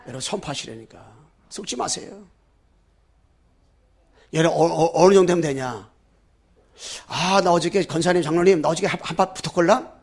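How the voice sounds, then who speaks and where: Male pastor, fervent sermon delivery, high gravelly voice, call-and-repeat with the congregation. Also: moderate pace, long pauses. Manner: fervent preaching, with sudden loud declarations and low asides.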